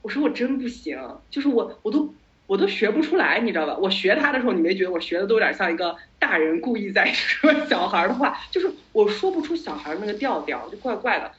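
A woman podcast host in a relaxed chat, telling stories with animated energy and slipping English words into her sentences. Her voice sits at a middle pitch. The recording is somewhat muffled and lo-fi. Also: quick pace. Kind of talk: casual chat. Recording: slightly dull lo-fi audio.

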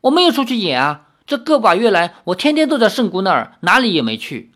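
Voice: medium pitch, very animated, fast, a bit bright, voice pushed up. A reader voicing Anu, an impulsive, clingy young tribal girl, in a storybook audiobook. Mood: eager.

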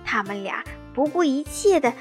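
A woman reading a children's story aloud in a slow, gentle and expressive way. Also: high-pitched, soft background music.

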